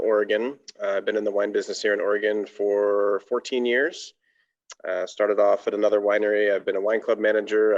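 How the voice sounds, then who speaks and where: A man on a video call webinar panel, describing his small winery team in a relaxed way with fillers. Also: on the low side. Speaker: panelist, winery sales director. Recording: dull lo-fi audio.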